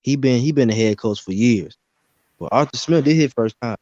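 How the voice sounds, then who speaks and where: A man's voice: mid-range voice, moderate pace, mellow, dry recording. A man talking sports in a casual, rambling way over an online call whose audio turns metallic and glitchy. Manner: rambling, repeats himself. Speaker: call-in guest. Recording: dull, muffled online call line.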